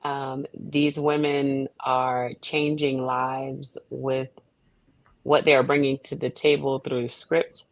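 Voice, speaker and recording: A woman's voice: a bass voice, level tone, takes it slowly, no echo. A woman guest talking conversationally in an interview, earnest and emphatic. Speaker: playwright and director, guest.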